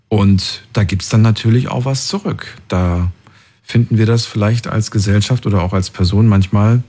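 A man's voice: on the low side, dark tone, breathy edge. A man hosting a late-night call-in radio show from the studio, reading out listener poll results and messages. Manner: reads out listener polls and messages.

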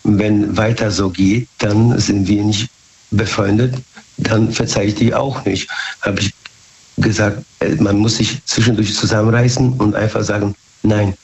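Hoarse man on a muffled phone line. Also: fairly low pitch, level tone. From Germany. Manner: halting, ungrammatical German, repeats "ja". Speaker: caller.

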